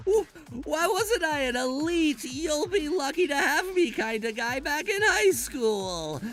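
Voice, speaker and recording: A man's voice: very high voice, sing-song, slow, fairly bright tone, slight background noise, heavily acted. An actor voicing a regretful young man who is crying. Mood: weeping.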